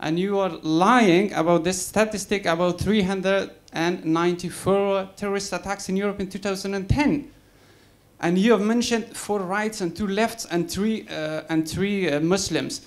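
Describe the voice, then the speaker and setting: A man from Afghanistan in the audience, making a halting, accusing comment at a public debate with many fillers. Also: sits high. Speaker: audience member.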